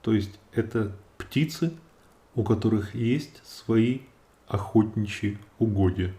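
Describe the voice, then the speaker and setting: A man narrating a nature vlog in a relaxed storytelling style, with halting, thoughtful phrasing. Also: on the low side. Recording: roomy echo, guitar music behind.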